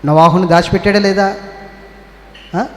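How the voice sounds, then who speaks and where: A man's voice: sits high, fairly even intonation, normal speed. A male pastor with a Telugu accent preaching a church sermon. He calls on the congregation to respond, scolds and exhorts them. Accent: Telugu, Andhra Pradesh. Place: church hall. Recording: echoey church hall with faint ambience.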